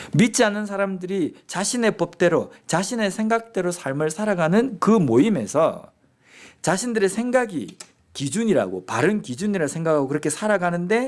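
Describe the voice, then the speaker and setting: The speaker talks at a moderate pace with a strong Busan accent. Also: man. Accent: strong Busan dialect (Gyeongsang). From South Korea, Busan. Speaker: pastor. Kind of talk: sermon.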